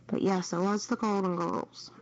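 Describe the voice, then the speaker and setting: A woman's voice: medium pitch, fairly even intonation, normal speed. A woman hosting a quiz, reading out questions in an unscripted way over a muffled radio chat channel. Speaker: trivia quiz host.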